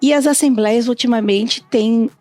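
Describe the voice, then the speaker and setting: A woman's voice: fairly high pitch, normal speed, mellow, dry recording. A middle-aged or older woman chatting as a podcast guest, telling stories and acting out quoted exchanges. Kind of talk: casual conversational interview, anecdotes.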